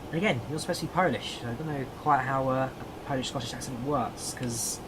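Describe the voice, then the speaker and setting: A man's voice: medium pitch, brisk, noisy background. A man with an English accent giving casual live-stream commentary on a flight simulator, thinking aloud and answering chat viewers.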